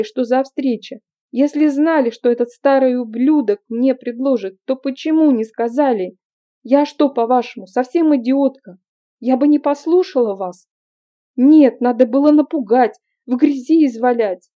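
A woman voicing a young brunette woman who is tearful and furious and speaks in sharp, accusing outbursts, in an audiobook. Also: sits high, voice pushed up. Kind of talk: audiobook character reading. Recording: dull lo-fi recording.

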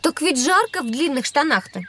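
Tidy, curious young girl, high and expressive, audio storybook. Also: a little fast, a little hiss or hum. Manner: inquisitive, prim.

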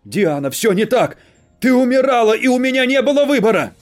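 A voice doing a shouting werewolf husband. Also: male voice, fairly high pitch, moderate pace, soft background music, close to an everyday voice. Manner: shouting, pleading to be heard. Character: desperate male werewolf husband, forceful. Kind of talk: audiobook character voice.

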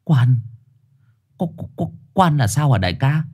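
A man's voice: medium pitch, big pitch swings, moderate pace, darkish tone, husky. A man voicing a timid young male stray dog who pleads and stammers.

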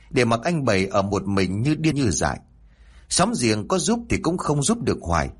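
A man with a Southern Vietnamese accent narrating a village horror story in an expressive storytelling manner. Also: mid-range voice, breathy edge.

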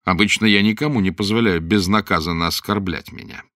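A man voicing a calm, dryly ironic pirate captain in a storybook reading. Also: low voice, brisk, no echo, clean studio sound.

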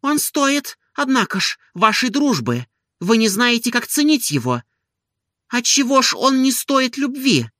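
A woman's voice: on the high side, very animated, unhurried, a bit bright, dry recording, clean studio sound, voice pushed up. A reader voicing an ashamed young woman in love, speaking in an emotional, pleading way. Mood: defensive.

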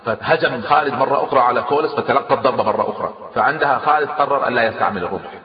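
A fast-talking man recounts history with emphatic, lively delivery, often pausing to comment on the tale. His voice rings in a long hall reverb, and the recording sounds dull and lo-fi. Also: medium pitch, crowd noise. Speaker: storyteller. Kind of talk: animated historical storytelling.

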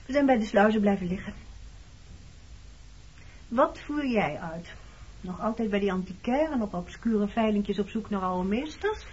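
A woman's voice: mid-range voice, animated, normal speed, pauses often, a little mellow. An actress playing a guarded, pointed woman in her early thirties in a Dutch radio play. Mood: matter-of-fact. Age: 30s. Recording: dull lo-fi radio recording, clear noise.

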